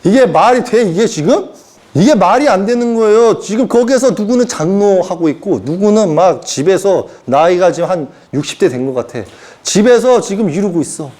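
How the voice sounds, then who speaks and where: Man, informal sermon, high voice, mellow tone, acts out characters. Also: expressive, moderate pace. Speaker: self-styled prophet preaching.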